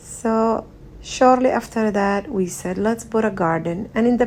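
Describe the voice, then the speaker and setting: Speaking at a fairly slow pace with a Somali accent, a woman uses ordinary pitch variation. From Somalia. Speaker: homesteader and vlogger. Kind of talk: casual vlog talk while gardening.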